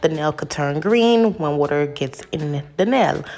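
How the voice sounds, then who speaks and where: This woman's voice sits at a very deep, low pitch. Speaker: nail technician. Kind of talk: tutorial voiceover. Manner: casual, chatty.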